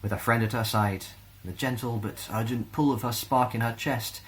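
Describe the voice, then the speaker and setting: A man with a Scottish accent reading a children's fantasy story aloud in a gentle, expressive way. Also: mid-range voice, normal speed, low-quality recording. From Scotland.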